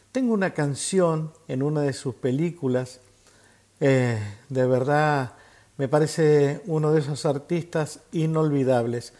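A man speaking as host of a tribute, reminiscing in a reflective way with pauses between phrases. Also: a little high, a little mellow. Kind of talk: spoken personal reminiscence.

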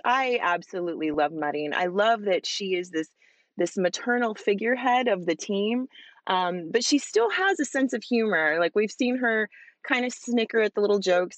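A woman voice actress chatting in an interview, enthusiastic and animated with plenty of fillers. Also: medium pitch, dry recording. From Hispanic family, father with Spanish accent. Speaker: voice actress guest. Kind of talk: casual interview answers.

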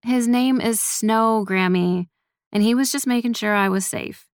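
A woman's voice: on the high side, measured pace, smooth, no room sound. Nervous young granddaughter for an audiobook, hesitant, evasive, informal, dry close sound played by a female reader.

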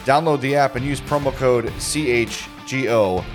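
A man in his forties hosts a casual sports podcast, joking, self-deprecating and laughing often. His medium-pitched voice moves at a moderate pace over music.

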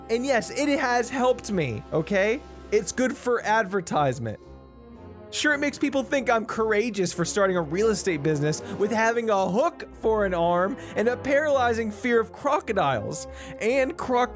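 A man playing an evil male realtor with a hook for an arm, gloating through a hammy villain monologue. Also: high voice.

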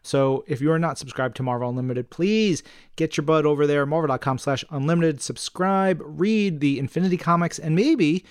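A man's voice: fairly high pitch, normal speed, clean tone, no echo, studio quality. A man co-hosting a podcast in a casual, enthusiastic and effusive chatting style. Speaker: podcast co-host.

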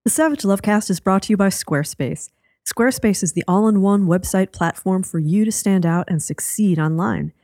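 A woman's voice: mid-range voice, normal speed, darkish tone, dry recording, studio quality. A woman announcing a sponsor message in a scripted ad-read style.

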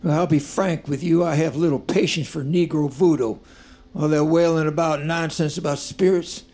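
An actor playing an arrogant Southern plantation master and frightened father, with a husky, domineering voice and a Southern American accent. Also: on the high side, steady tone, moderate pace, a little mellow, natural voice. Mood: contemptuous. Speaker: actor in audio drama.

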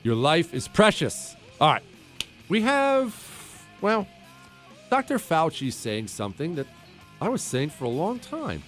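A man hosting a talk radio show, speaking in an animated, sarcastic monologue with wide swings in pitch and a slightly congested voice. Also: a little slow, faint music behind. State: congested from allergies.

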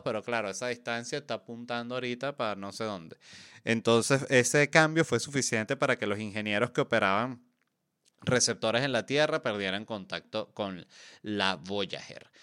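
A man hosts a casual podcast chat, joking and rambling with plenty of fillers. His voice is bright and smooth, sitting at a middle pitch. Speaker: podcast host.

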